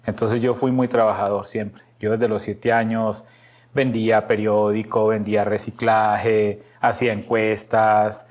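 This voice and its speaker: A man's voice: fairly low pitch, flat delivery, measured pace, darkish tone. A middle-aged man from Medellín with a Colombian Paisa accent, a pastor telling stories of his life in an interview, laughing often and repeating his words. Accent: Colombian Paisa (Antioquia). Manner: laughs often, repeats himself, tells stories with voiced quotes. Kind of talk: relaxed storytelling interview.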